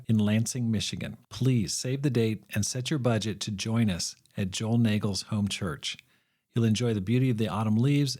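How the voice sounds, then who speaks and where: A podcast host, male, with a low, steady voice. He reads a scripted welcome and then asks his guest friendly, encouraging questions. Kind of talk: podcast interview and scripted intro.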